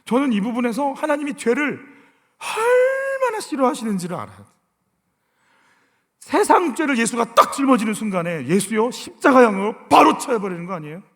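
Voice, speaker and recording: Middle-aged pastor man preaching, high lively voice, long church echo, swings loud to hushed. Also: brisk. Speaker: senior pastor. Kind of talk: sermon. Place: church sanctuary.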